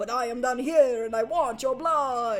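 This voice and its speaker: The speaker uses a put-on character voice at a fairly high pitch. Faint music plays in the background. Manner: menacing.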